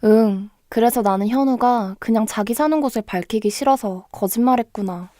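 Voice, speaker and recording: A woman's voice: on the high side, moderate pace, mellow, no room sound, close to an everyday voice. A woman playing a candid, naive, easily riled young female student in a radio drama.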